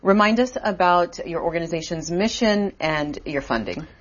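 Low-pitched woman, TV interview host, question-led, dull broadcast audio. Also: animated, moderate pace. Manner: questioning, with filler-heavy follow-ups.

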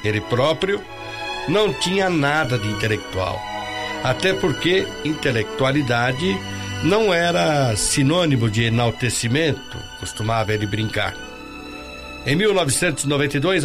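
A man reading scripted documentary narration for a TV news tribute in a measured, formal way. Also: medium pitch, animated, music in the background.

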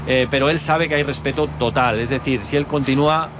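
Team guest, male, Barcelona-born, slight Catalan accent, careful and hesitant, mid pitch, noisy outdoor spot. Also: fairly even intonation. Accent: light Catalan. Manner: measured, hesitant with fillers. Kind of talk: outdoor interview.

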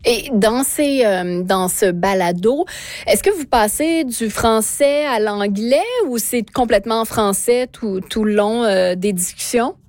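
A woman's voice: fairly high pitch, unhurried, a little mellow, no room sound. A woman hosting a radio morning show, introducing and questioning a guest in a conversational way. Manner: conversational, some fillers. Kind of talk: radio interview.

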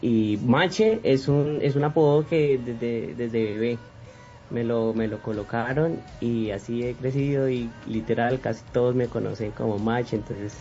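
A man's voice: mid-range voice, unhurried, mellow, soft background music. A young man, a Christian musician answering interview questions in an earnest, reflective way. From Colombia. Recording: dull lo-fi recording.

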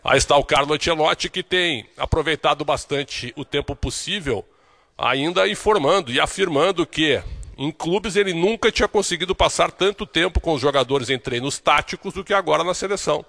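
A man giving a steady, informative sports report as correspondent for a radio show. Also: a little high, normal speed, gravelly.

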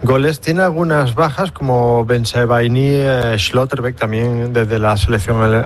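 A man giving measured football analysis on a radio sports show, pausing often with fillers. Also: medium pitch, slight background noise. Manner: measured, frequent hesitations. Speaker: football pundit.

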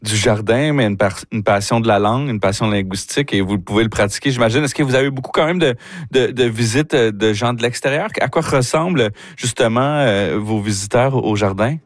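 A man's voice: mid-range voice, a little fast, no room sound, studio quality. A man hosting a radio interview, asking friendly questions that halt and restart often.

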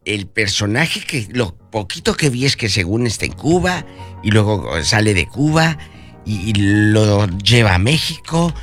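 A man's voice: on the low side, very animated, measured pace, a bit bright, soft background music. A man hosting a radio show, gossiping about celebrities in a campy, chatty and theatrical way. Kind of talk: gossip chat.

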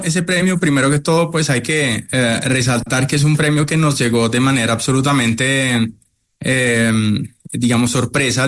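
A man's voice: medium pitch, fairly bright tone. An Italian-born man talking in Spanish with an Italian accent, taking his time as he answers. He stops often, fills gaps with small sounds and restarts his phrases. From Italy. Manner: hesitant, many fillers and restarts. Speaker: chef and restaurant owner. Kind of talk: interview answers.

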